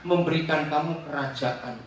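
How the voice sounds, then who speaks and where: A man's voice: on the high side, normal speed, slight background noise. A man preaching a sermon as pastor, questioning and joking with his congregation. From Papua. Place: church hall. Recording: very echoey hall, voice from far off.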